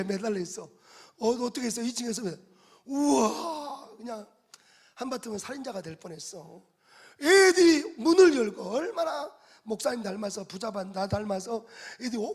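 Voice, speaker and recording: A middle-aged male pastor preaching a sermon, animated, with sudden loud bursts and call-and-response with the congregation. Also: extremely high pitch, husky.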